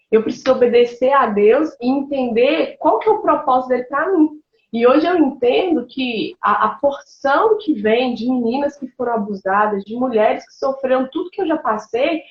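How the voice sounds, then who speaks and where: Lady pastor sharing her story, high voice, laughs a lot, echoey kinda dull room. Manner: emotional, animated storytelling with laughs and colloquial fillers. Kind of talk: testimony in a conversational interview.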